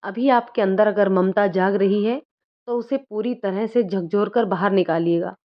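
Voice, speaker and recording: A woman's voice: mid-range voice, moderate pace, lightly acted. A woman voicing an earnest young woman who gives persuasive counsel, read as a storybook role. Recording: dull lo-fi recording.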